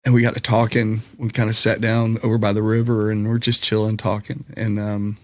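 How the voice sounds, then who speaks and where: A middle-aged man, a musician and comedian, talking candidly on a podcast in a slightly raspy voice, mixing jokes with reflection. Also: lowish voice, completely flat delivery, brisk, dry recording. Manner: candid, reflective, jokey storyteller. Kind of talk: casual conversational interview.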